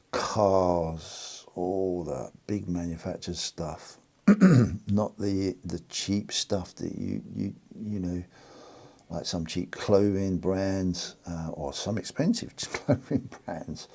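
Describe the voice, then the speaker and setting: A man's voice: low-pitched, fairly even intonation, slow pace, creaky, a little mellow. A British man hosting a precious metals channel, chatting casually and rambling with lots of restarts. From United Kingdom. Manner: rambling, restarts and fillers, informal. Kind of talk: casual chat to camera.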